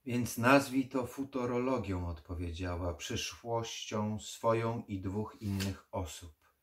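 A man's voice: fairly low pitch, takes it slowly. A man voicing the ghost of a sad mother who pleads and gives solemn warnings in an audiobook horror reading. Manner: pleading then solemn, foreboding.

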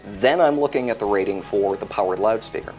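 A man's voice: fairly low pitch, brisk, darkish tone, soft background music, low-quality recording. A middle-aged American man giving a methodical, emphatic technical explanation as a product expert. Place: indoor product display set.

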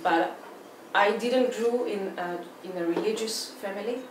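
A woman's voice: medium pitch, a little slow, echoey room. Israeli woman, 40s, interview guest, careful and searching for words, distant mic, faint hiss. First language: Hebrew. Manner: thoughtful, restarts phrases often. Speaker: artist guest. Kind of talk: interview answers. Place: indoor room with plain walls.

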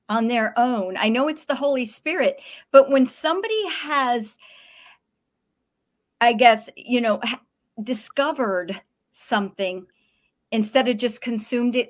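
A woman co-hosting over a video call who talks with enthusiasm, stammering as she starts her sentences. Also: a little high. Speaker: co-host. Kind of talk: casual video call conversation. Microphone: webcam on video call.

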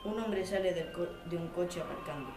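A man's voice: high-pitched, normal speed, over music. A teenage boy with an accent from Spain, reading a scripted radio play as narration and dialogue. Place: school classroom. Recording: roomy classroom, distant mic, clear noise.

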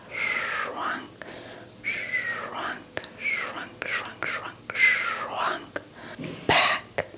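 A young woman, a Xhosa speaker, whispers a folktale as an ASMR storyteller, deliberately repeating words for effect, close to a handheld mic. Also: pushed and bright. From South Africa. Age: young adult. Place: small indoor setup before a cloth backdrop. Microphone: handheld mic with fluffy windscreen, held close.

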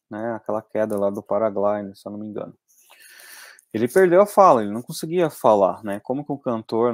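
A young Brazilian man teaching anatomy in an online class from a small room, talking conversationally and often tagging sentences with quick checks. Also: mid-range voice, a little mellow, no room sound. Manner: conversational, frequent tag questions. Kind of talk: online lecture over slides.

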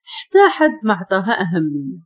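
A woman with a Moroccan accent narrating a scripted story in a calm, steady way. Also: mid-range voice, brisk, husky.

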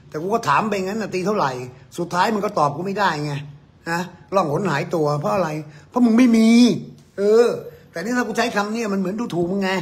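Older man, amulet expert; high voice, blunt, swearing lecture. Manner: blunt, profane, scolding. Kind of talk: ranting lecture to viewers.

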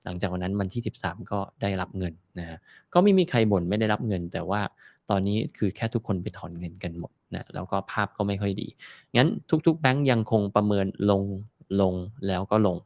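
A man's voice: fairly low pitch, animated, brisk, no echo. A man giving casual market commentary, chatty and explaining with everyday comparisons. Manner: chatty, explains with homely comparisons, ends phrases with soft particles. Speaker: finance commentator.

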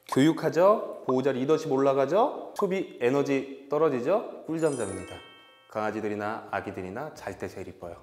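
A male dog behavior veterinarian and trainer giving an upbeat training demonstration, bursting into cheerful praise and quick commands. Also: medium pitch, darkish tone. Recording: echoey hall with faint music.

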